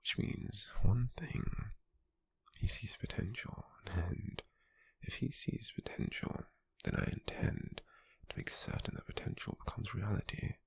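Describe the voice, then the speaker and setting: A British man playing a possessive, calculating, smug slave merchant in a hushed ASMR roleplay, with a husky, breathy, gravelly voice and a slow, deliberate delivery. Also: lowish voice, no echo, exaggerated voice. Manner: slow, deliberate, with lingering pauses.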